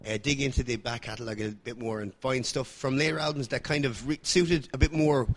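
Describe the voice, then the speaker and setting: A man guesting on a podcast, hoarse from a flu, rambling wryly and swearing freely. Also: mid-range voice, steady tone, brisk. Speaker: guest musician. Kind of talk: casual chat.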